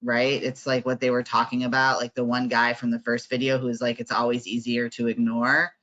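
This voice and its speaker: A man's voice: medium pitch, monotone, fairly quick, bright, forceful tone, dull audio. A man facilitating an online workshop, talking conversationally with lots of fillers and tag questions.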